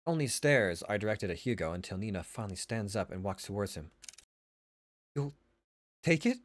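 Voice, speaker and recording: A man's voice: on the low side, lively intonation, fast talker. A man narrating a visual novel aloud in an informal way, correcting himself as he reads.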